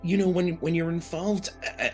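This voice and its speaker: A man's voice: sits high, flat delivery, normal speed, soft background music. A man from New York, a guest on an interview podcast, talking in an earnest, reflective way with restarts. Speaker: guest, blind advocate.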